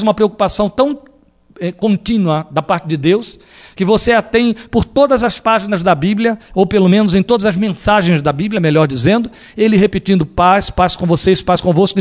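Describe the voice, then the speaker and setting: A male pastor preaching a sermon in an animated way, often asking the congregation rhetorical questions. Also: high-pitched.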